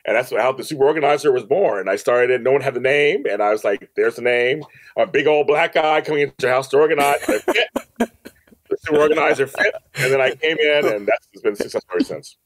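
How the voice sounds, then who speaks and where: Fast and lively, this mid-range male voice belongs to a fifty-something professional organizer guesting on a podcast. He spins animated stories in a casual interview, emphasizing points, repeating phrases, and performing the dialogue he quotes, with no room sound.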